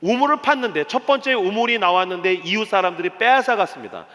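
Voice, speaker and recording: A male pastor preaching a lively early-morning sermon in a church, dramatizing with acted voices and sound effects. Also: high voice, fast talker. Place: church sanctuary. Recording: long hall reverb.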